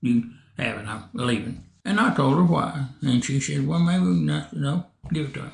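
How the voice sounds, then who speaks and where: This man has an Appalachian accent. He talks at a moderate pace with a fairly high pitch. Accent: Appalachian American. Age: 80s+. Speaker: retired coal miner and farmer. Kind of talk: casual interview.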